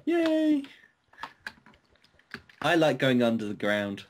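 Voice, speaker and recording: A man's voice: medium pitch, huge pitch swings, slow pace, slight background noise. An Australian man hosting a casual gaming session, giggling and coaching a new player. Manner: giggly, encouraging, coaching a newcomer. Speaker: gaming channel host. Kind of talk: casual let's-play commentary.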